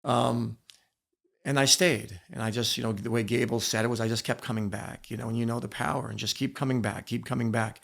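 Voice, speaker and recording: A former wrestler and coach, interviewed on a podcast, relates candid stories in a creaky, gravelly voice pitched in an ordinary middle range. His tone stays steady and brisk, and he is emphatic, often repeating a phrase to drive the point home.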